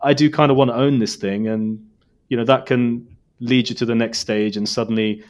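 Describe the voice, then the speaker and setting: A man in his forties speaks in a casual podcast conversation. He sounds reflective and measured, thinking through an idea as he goes. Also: mid-range voice, steady tone, darkish tone. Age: 40s. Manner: reflective, thoughtful. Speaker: podcast co-host. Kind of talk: casual chat.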